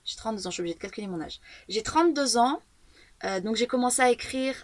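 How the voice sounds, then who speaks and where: A woman in her thirties, an author talking through her writing in a casual, reflective monologue, pausing often with fillers and restarts. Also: fairly high pitch, expressive, dry recording. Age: 30s. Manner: thoughtful, hesitant, many fillers and restarts. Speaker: author and video blogger.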